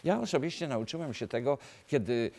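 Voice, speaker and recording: A man's voice: medium pitch, a little fast, vocal fry. A man in his fifties from Poland, a pastor giving an earnest sermon to camera in a studio, asking rhetorical questions, recorded on a lapel mic. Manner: earnest, animated preaching with rhetorical questions and gestures. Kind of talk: filmed sermon talk to camera. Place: dark studio set, indoors.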